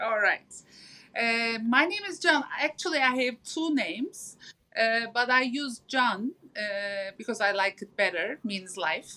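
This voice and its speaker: A woman with a Turkish accent speaks fairly slowly in a fairly high pitch and a bright, sharp tone. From Turkey, Istanbul. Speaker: entrepreneur. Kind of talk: podcast interview. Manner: halting.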